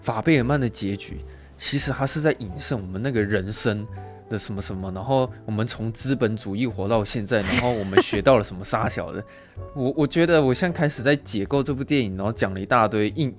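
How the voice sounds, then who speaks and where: A man's voice: medium pitch, brisk, soft background music. A man, co-hosting a casual film chat, laughing often, swearing now and then and acting out quotes. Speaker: podcast co-host.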